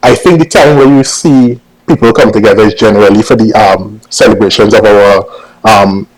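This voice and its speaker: A journalist from Trinidad and Tobago, speaking with a Trinidadian accent, answers interview questions casually as a guest, sometimes hesitating as he picks his words. His voice is on the low side with fairly even intonation and a moderate pace. The recording is rough.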